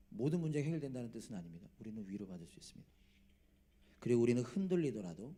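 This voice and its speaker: Lively, quick-talking male pastor preaching. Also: medium pitch. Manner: animated, asks the congregation rhetorical questions, swings from loud to hushed; jokes about himself. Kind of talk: sermon.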